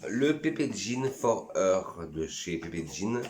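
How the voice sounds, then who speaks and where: A man's voice: low-pitched, big pitch swings, takes it slowly, darkish tone, roomy sound, slight background noise. A man from France chatting casually and enthusiastically in a vlog, reviewing his perfumes and sometimes talking to himself. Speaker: perfume YouTuber.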